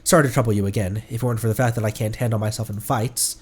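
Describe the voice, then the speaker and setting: A woman's voice: rumbling low, fairly even intonation, racing, a little mellow, breathy edge. A woman playing a kind, anxious young villager in a video game, speaking hesitantly and apologetically. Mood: worried.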